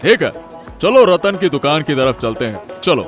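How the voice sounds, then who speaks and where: A man's voice: a little high, sing-song, moderate pace, soft background music. A man voicing a jovial village householder in a cartoon story, easygoing and chuckling.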